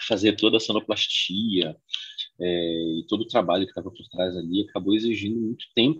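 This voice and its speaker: Speaking at a moderate pace, a man with an unremarkable speaking voice and fairly low pitch shows big swings in loudness. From Brazil, Pará. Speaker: lawyer. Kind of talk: casual chat. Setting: video call.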